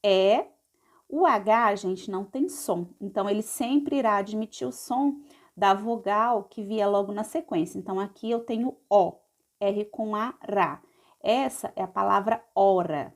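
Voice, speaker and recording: Brazilian female literacy teacher, mid pitch, slow deliberate pace, patient, spells it out syllable by syllable. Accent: Brazilian Portuguese. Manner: patient, spells letters slowly, checks in with "tá bom?". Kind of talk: adult literacy lesson, syllable-by-syllable reading.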